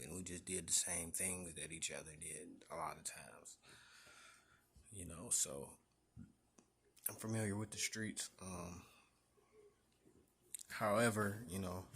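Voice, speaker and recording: Detroit man, low husky voice, laid-back vlogger who rambles with lots of ums. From Detroit, Michigan. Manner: relaxed, rambling, many fillers and restarts. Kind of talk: casual introductory vlog.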